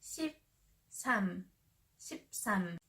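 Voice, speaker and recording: A young woman teaching a language lesson, saying each word twice with slow, careful delivery, indoors in front of a camera. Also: medium pitch, animated, sharp tone. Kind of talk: slow clear repetition of words. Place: bright indoor room, seated.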